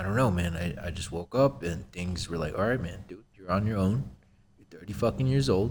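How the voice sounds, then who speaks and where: With very deep, low pitch and vocal fry, a man talks at a fairly quick pace with lively intonation and big swings in loudness. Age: 30s. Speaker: cannabis entrepreneur. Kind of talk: casual chat.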